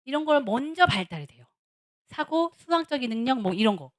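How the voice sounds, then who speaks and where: A middle-aged woman, a seminary professor, giving a lively lecture on marriage at a church, acting out little dialogues and repeating words for emphasis. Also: high-pitched, fairly quick. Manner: animated, acts out little dialogues of husbands and wives.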